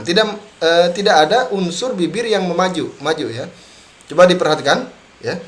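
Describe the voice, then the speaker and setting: A man teaching Quran recitation in an online tajwid lesson, repeating sounds slowly to demonstrate them. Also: on the high side, fairly bright tone. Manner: drawn-out slow demonstration syllables between explanations.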